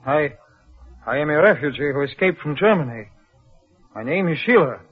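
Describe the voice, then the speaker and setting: A respectful young refugee man, polite and bitter, speaking in a fairly high, husky tone. The sound is muffled and dull, like an old radio broadcast. He talks in the earnest manner of 1940s radio acting. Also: lively intonation, normal speed. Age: 20s. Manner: polite, says sir.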